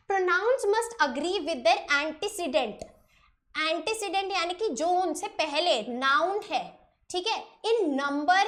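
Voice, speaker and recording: A woman from India with a very high voice gives an online grammar lesson at an unhurried pace. She reads example sentences slowly and deliberately. She keeps checking that students are following and praises them often. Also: fairly bright tone. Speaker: English grammar teacher.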